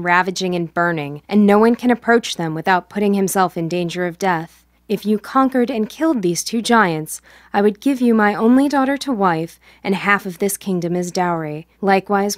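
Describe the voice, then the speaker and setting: A woman's voice: mid-range voice, dry recording, studio quality, close to an everyday voice. A woman playing a regal, scheming queen in a storybook drama, speaking formally in stately old-fashioned phrases. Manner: formal, stately archaic speech.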